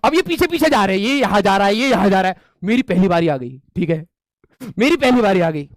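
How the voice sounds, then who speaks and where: A man's voice: high-pitched, lively intonation, brisk, dry recording. A male teacher telling a humorous story to his class with students around him, often chuckling and checking in with them as he goes.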